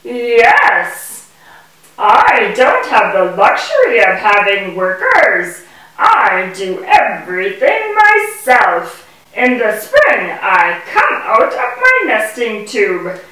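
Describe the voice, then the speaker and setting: A woman's voice: fairly high pitch, wildly swooping pitch, slow pace, sharp tone, heavily acted. A woman voicing a small, sensible talking bee in a children's puppet show, explaining things with exaggerated emphasis. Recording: echoey hall, far from the mic.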